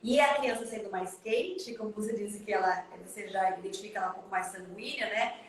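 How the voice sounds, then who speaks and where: Fast-talking Brazilian woman on an echoey call. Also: medium pitch, recorded from a distance. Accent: Brazilian Portuguese. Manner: fast, emphatic, explanatory. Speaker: parenting consultant. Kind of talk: live consultation video call. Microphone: video call.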